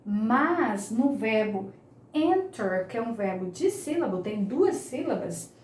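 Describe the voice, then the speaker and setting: A woman's voice: a little high, big pitch swings, slow, a little mellow, reverberant, slight background noise. A woman, teaching English grammar in an online lesson, patiently repeating each key point.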